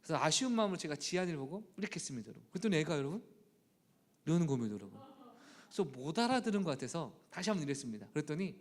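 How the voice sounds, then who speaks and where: A middle-aged man preaches to his congregation, calling out to them again and again. His voice rises and falls with wide, lively swings and sits slightly high. He breaks into playful imitations of his children's voices as he goes. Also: racing. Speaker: pastor. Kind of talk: sermon.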